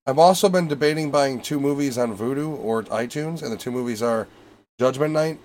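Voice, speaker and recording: A man's voice: medium pitch, fairly quick, a little mellow, a little hiss or hum. A man co-hosting a podcast, chatting casually in a rambling, offhand way with frequent swearing. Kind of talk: casual chat.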